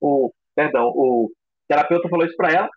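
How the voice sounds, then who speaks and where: A man teaching a recorded psychoanalysis lecture in an expressive way, acting out example voices. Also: fairly high pitch, brisk, no echo, lo-fi sound. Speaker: psychoanalysis instructor.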